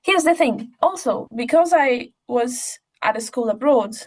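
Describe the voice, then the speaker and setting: High-voiced young woman chatting. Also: expressive, unhurried. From Poland. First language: Polish. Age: young adult. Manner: chatty, informal, frequent asides. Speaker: interview guest, biochemistry student. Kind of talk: casual conversational interview answers.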